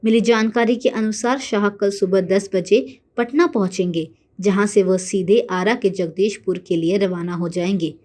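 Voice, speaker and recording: A woman news anchor reading a scripted bulletin in a formal, measured manner. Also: medium pitch, dark tone.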